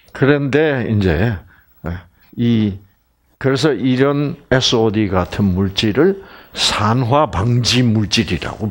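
A man's voice: lowish voice, husky. An older man from Korea giving a chatty health lecture, weaving in personal stories and frequent asides to his audience.

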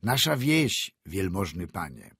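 A man voicing a rough, cheerful peasant sledge driver who shouts to his horses. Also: low voice, big pitch swings, slow pace, no echo, studio quality, full character voice. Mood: hearty.

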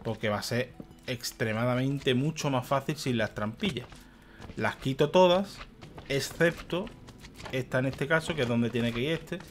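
A young man talks through a video game session, grumbling, swearing and muttering to himself as things go wrong. His voice sits at a middle pitch. Faint music plays underneath. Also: unhurried. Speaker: gaming youtuber. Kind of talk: let's play commentary.

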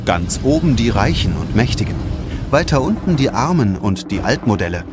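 A man's voice: fairly low pitch, big pitch swings, normal speed, over music. A man narrating a scripted children's story in a dramatic storytelling manner.

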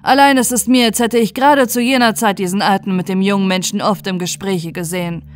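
A woman's voice: mid-range voice, steady tone, brisk, close to an everyday voice. A woman voicing a male barber testifying in a deferential yet insinuating way, in a fairy tale audiobook. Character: male barber, sly witness.

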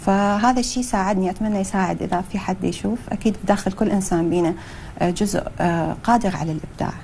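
A young woman with an Iraqi Arabic accent, a guest in a TV studio interview, talking with many pauses and fillers and slipping in English phrases. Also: medium pitch, gravelly, a little mellow, slight background noise. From Iraq. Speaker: jewellery designer guest.

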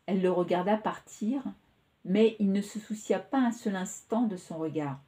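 A woman reading a literary novel aloud in a slow, measured, expressive way. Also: medium pitch. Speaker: audiobook reader.

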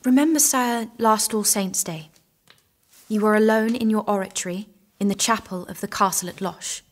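An actress playing an earnest, bold and devout young peasant maiden in an audio drama. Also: female voice, medium pitch, moderate pace, lightly acted. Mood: solemn, assured.

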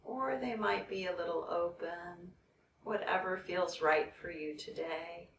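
Woman, meditation guide, lowish pitch, creaky, measured and soothing, long pauses, echoey distant mic, faint noise. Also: a bit bright.

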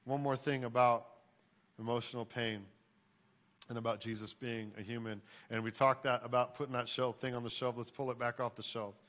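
A man's voice: mid-range voice, flat delivery, a little fast, a bit bright. An American man in his forties preaching as a pastor in an emphatic way, repeating key phrases. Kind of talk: sermon. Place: church stage, indoors.

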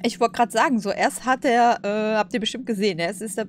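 A woman's voice: on the high side, quick pace, a little hiss or hum. A woman doing casual let's play commentary, colloquial and hesitant as she thinks aloud.

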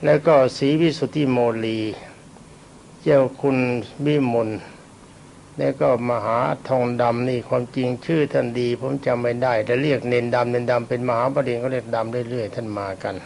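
An older Thai Buddhist monk gives a rambling, self-deprecating dharma talk while ill, coughing often and pausing to recall names and dates. His voice is medium-pitched, level, creaky and a little mellow, with slight background noise.

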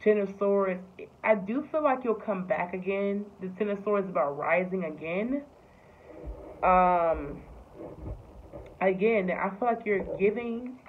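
A woman's voice: medium pitch, unhurried. A woman giving a casual tarot reading, talking loosely with lots of fillers and swearing. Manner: loose, profane, filler-heavy talk. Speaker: tarot reader. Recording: tinny phone-like sound with faint noise.

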